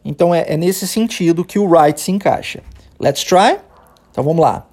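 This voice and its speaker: A man with a Brazilian Portuguese accent teaching English on a podcast, animatedly drilling phrases and repeating them slowly. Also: a little high, a little mellow.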